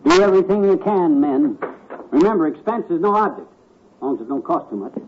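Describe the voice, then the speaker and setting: A blustery, folksy husband from an old radio comedy, full of slangy talk. The voice sits a little high. It sounds dull, with a hiss under it. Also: male voice, very animated, a little fast. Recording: noisy old radio transcription.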